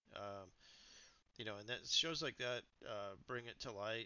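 The sound is dry with no echo, and a man speaks at a moderate pace. His pitch variation is ordinary. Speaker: live stream host. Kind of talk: casual live stream commentary.

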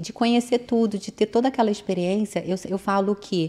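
A woman's medium-pitched voice with a dark, mellow tone and ordinary pitch variation. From Brazil, rural Rio de Janeiro state (Teresópolis area); Rio de Janeiro state, Brazil. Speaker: mountaineer and social media influencer; social media influencer. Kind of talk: podcast interview. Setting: studio. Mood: calm, reflective. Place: studio. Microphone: studio mic.

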